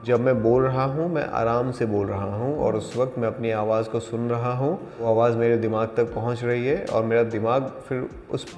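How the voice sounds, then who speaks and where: A man teaching an acting class, explaining exercises in a calm, deliberate way and mixing in English terms. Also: mid-range voice. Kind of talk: spoken acting lesson. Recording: echoey hall with faint music.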